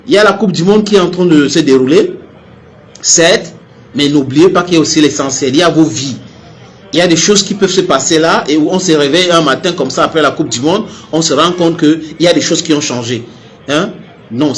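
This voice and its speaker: Man, from Cameroon, online commentator, heated rant, repetitive, stammering, fairly high pitch. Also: slight background noise. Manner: heated, repeats himself, stammers on restarts. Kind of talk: impassioned direct-to-camera rant.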